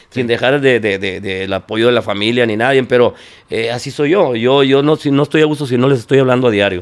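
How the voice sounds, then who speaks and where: Medium-pitched male speech at a fairly quick pace with ordinary pitch variation and a quiet background. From Nuevo León, Mexico (Apodaca, Monterrey area); Nuevo León, Mexico. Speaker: norteño musician; interview guest. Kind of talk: interview. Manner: halting, frequent repetitions. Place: studio. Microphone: studio mic.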